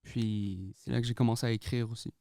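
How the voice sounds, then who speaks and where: Relaxed young Québécois man, smooth voice. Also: mid-range voice, fairly quick. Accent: Québécois French. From Quebec, Canada. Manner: relaxed, laughs easily, mixes in English words. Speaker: guest artist. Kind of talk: casual podcast interview.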